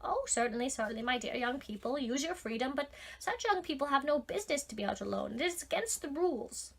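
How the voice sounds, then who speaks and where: A woman's voice: high voice, sing-song, brisk, creaky, voice pushed up, heavily acted. A woman doing a growling crooked old man. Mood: fussy. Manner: growling, quivering with anger.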